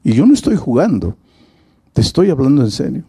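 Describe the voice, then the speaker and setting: Earnest mature suitor, voiced by a man, serious calm voice, warm mellow tone. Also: medium pitch, brisk, husky, no room sound, clean studio sound.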